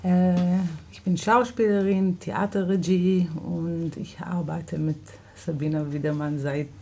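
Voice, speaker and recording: Slow Israeli-accented woman, hesitant. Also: lowish voice, steady tone, creaky, a little mellow. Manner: hesitant, searching for words, laughs often. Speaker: guest, actress and theatre director. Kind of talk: radio interview.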